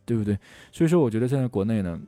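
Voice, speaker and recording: A middle-aged man teaching how to memorize English words, lively and full of rhetorical questions. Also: fairly low pitch, racing, faint music behind. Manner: lively, rhetorical questions, often asks "right?". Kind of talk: lecture on memorizing vocabulary.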